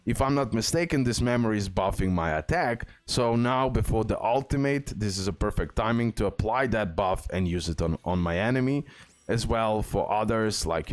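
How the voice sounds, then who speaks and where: A man with a fairly low voice talks through a video game as a guide host. His delivery is casual and explanatory. He uses non-native English phrasing and often repeats words and phrases.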